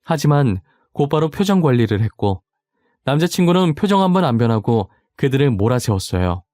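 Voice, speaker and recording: A man reading a first-person story aloud in calm, even scripted narration. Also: medium pitch, fairly quick, dry recording, clean studio sound.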